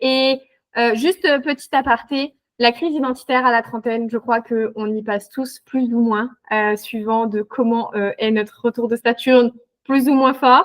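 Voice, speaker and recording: A high-pitched woman's voice, fairly slow and fairly even in intonation, with a dry, close sound and no echo. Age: 20s. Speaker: podcast host. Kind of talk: podcast interview. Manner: hesitant, many fillers.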